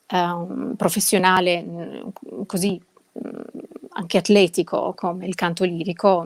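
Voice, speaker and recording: A woman from Sweden talks reflectively as a guest singer, pausing often to find her words. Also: mid-range voice, vocal fry, dry recording. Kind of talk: unscripted reflective talk.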